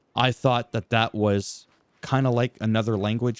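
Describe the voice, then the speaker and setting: Over music in the background, a man speaks at a moderate pace with a dry, close sound and no echo. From Canada (French-speaking). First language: French. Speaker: gaming YouTuber. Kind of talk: casual gameplay commentary. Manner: soft-spoken ASMR style.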